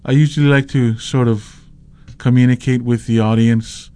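A man, a slack key guitarist telling stories in a relaxed interview, often restarting his sentences. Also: mid-range voice, normal speed. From Hawaii. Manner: rambling, with many restarts and laughs. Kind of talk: casual storytelling interview.

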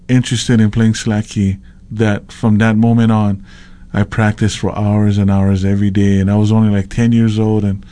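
A man, a slack key guitarist telling stories in a relaxed interview, often restarting his sentences. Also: fairly low pitch. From Hawaii. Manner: rambling, with many restarts and laughs. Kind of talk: casual storytelling interview.

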